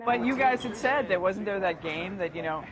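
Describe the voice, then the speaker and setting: A woman's voice: medium pitch, animated, moderate pace, crowd noise, poor audio. A woman bantering playfully and joking with friends at a reunion in a bowling alley.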